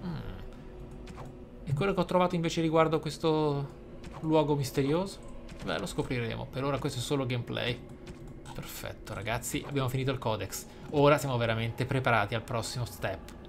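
A man's voice: medium pitch, a little fast, vocal fry, background noise. A man, a gaming host reading in-game text aloud expressively, with casual, playful asides.

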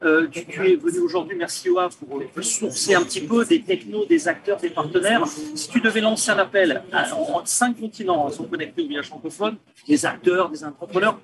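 A man in his fifties hosting an interview, animated and gesturing, often restarting his sentences, in a small padded booth. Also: sits high, a little fast, vocal fry, hardly any pauses. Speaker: host. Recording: distant mic, crowd noise behind.

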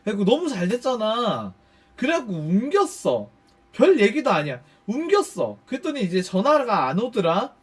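Brief: male streamer, high and lively voice, casual storytelling with plenty of cursing. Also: normal speed, slightly rough. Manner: animated, swears freely, acts out quoted speech. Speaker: YouTuber storyteller.

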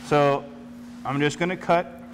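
A man's voice: on the high side, unhurried, long reverb tail, slight background noise. A man in his forties, a chef walking through a cooking demonstration step by step in a studio kitchen. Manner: explanatory, steady step-by-step instructions.

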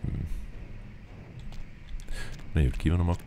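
This let's play host speaks in a mellow voice at a measured pace, offering casual, wry gameplay commentary with a bit of roleplay and muttering to himself as he plays. Noticeable background noise and video game ambience fill the recording.

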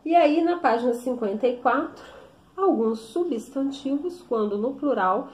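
Slow, explanatory woman teacher. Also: high-pitched, expressive, a little mellow. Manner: slow, explanatory, with frequent check-in questions. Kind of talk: recorded classroom lesson. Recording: echoey room.

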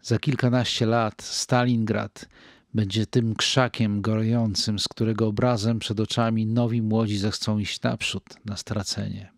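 Slow, grave older man reading. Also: fairly low pitch, level tone, dry recording, clean studio sound. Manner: measured, grave, deliberate pauses. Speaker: reader of a wartime diary. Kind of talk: slow reflective diary reading.

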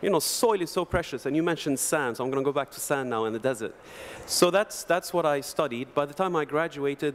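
A man in his forties from Denmark speaking on a conference panel, telling his career story in a reflective, gesturing way into a desk microphone on a hall stage. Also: mid-range voice. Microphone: desk microphone on a stand.

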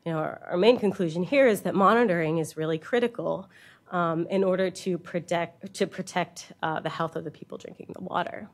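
A woman's voice: fairly low pitch, darkish tone. A woman researcher presenting a scientific lecture, explaining in plain terms with informal asides. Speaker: university researcher giving a keynote. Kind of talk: scientific conference lecture with slides.

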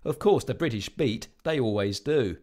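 A man's voice: medium pitch, lively intonation, normal speed, a little mellow, natural voice. A man voicing Fred, a young man hurtling through a hearty, blustering sea yarn. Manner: hearty, blustering nautical storytelling.

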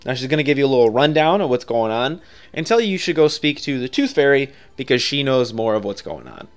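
A man's voice: mid-range voice, sing-song, fast, clean tone. A man narrating a step-by-step video game guide in an informal, offhand, conversational way.

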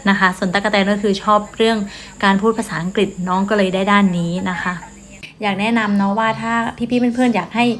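A woman's voice: medium pitch, slight background noise. A woman chatting patiently and politely to her viewers from a car. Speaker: vlogger. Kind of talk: casual chat to camera.

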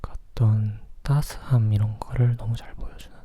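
A person whispering softly and closely in a chatty ASMR style, like a reviewer sharing thoughts. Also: medium pitch, fairly even intonation, normal speed, no echo. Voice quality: breathy, husky whisper. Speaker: film review vlogger.

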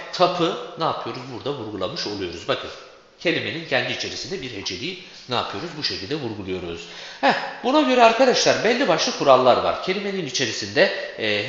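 A man with a Turkish accent teaches grammar in a bright, fairly high voice that rises and falls a lot. He poses questions to his students, answers them himself, and lingers on example words to show where the stress falls. The recording has long reverb and a dull, lo-fi sound. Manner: stretches out example words slowly to stress syllables. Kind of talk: recorded classroom lesson. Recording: echoey hall, muffled lo-fi sound.

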